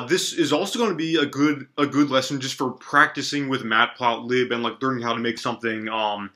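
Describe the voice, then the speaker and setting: A young man talks through a coding tutorial from a small room, his voice slightly stuffy from allergies. His tone is bright and forward. He thinks out loud, stumbling and restarting with plenty of ums. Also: medium pitch. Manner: relaxed, lots of ums and restarts, thinks aloud while typing. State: congested from allergies, sniffling. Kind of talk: casual screen-recorded coding tutorial. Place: small indoor room at a desk.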